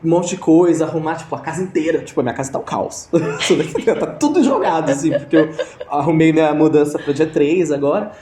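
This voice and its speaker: A man's voice: fairly high pitch, brisk, mellow, reverberant, slight background noise. A young Brazilian man telling a story in a casual interview, hesitant, with many restarts and fillers, over a video call. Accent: Brazilian Portuguese. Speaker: interview guest.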